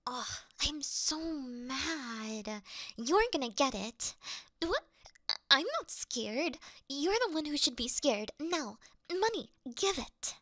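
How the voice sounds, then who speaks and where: A woman plays a clumsy young female thief with a high, bright voice, recorded close and dry. She blusters like a tough rogue but stammers and gets flustered, easily frightened under the bravado. It is cute, theatrical ASMR roleplay acting. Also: lively intonation, slow pace, no room sound, exaggerated voice.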